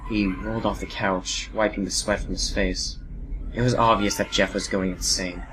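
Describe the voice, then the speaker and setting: A man narrating a horror story in a solemn, measured, dramatic scripted style. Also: fairly low pitch, level tone. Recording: home recording with background noise and ambience.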